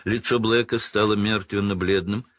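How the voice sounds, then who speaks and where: A man narrating an audiobook in a dramatic, measured way. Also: on the low side, steady tone, a bit bright, slight background noise. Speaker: reader.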